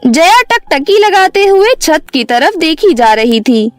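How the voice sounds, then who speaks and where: A woman's voice: very high-pitched, sing-song, takes it slowly, no echo. A woman narrating a scripted children's story as the storyteller.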